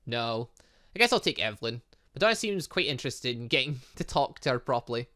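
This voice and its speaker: Lively, bright-voiced man playing a game. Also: mid-range voice, fairly quick. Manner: chatty, thinking aloud, with playful sound effects. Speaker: gaming YouTuber. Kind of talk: let's play commentary, reading game text aloud.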